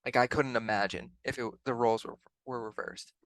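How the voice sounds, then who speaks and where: A man's voice: mid-range voice, fairly even intonation, brisk, a bit bright, no room sound, poor audio. A man co-hosting a sports podcast, talking through the numbers in a chatty, analytical way. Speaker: podcast co-host. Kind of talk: casual sports chat.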